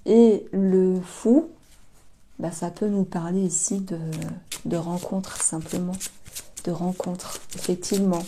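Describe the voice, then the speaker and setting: Dark-voiced woman giving a chatty tarot reading. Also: on the low side, steady tone, takes it slowly, slight background noise. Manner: chatty, hesitant, thinking aloud, addressing viewers directly. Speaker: tarot card reader. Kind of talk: casual tarot reading to camera.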